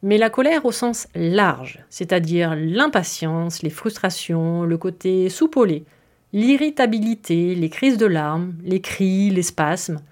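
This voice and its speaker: A woman's voice: mid-range voice, darkish tone. A woman hosting a podcast, explaining her topic in a chatty, casual way with fillers and little asides. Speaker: podcast host.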